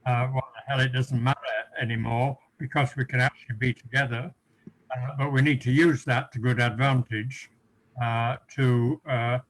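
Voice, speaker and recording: Middle-aged guy intro on a call, slow and halting, lots of ums. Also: mid-range voice, level tone, no echo, poor audio. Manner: measured, halting, many fillers. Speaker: workshop participant, facilitator. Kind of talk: self-introduction on a video call. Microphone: video call.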